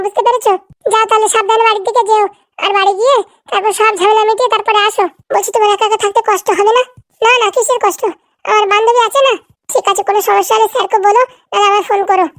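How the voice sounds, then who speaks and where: A woman voicing squeaky, bickering young characters in a comedy cartoon, with a chatty delivery. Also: no room sound, clean studio sound.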